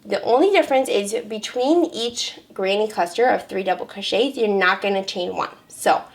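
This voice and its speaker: A young woman with a hoarse, raspy voice, talking through a crochet pattern step by step, counting stitches aloud and correcting herself as she goes. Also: mid-range voice. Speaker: crochet pattern designer teaching a tutorial. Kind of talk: step-by-step crafting tutorial.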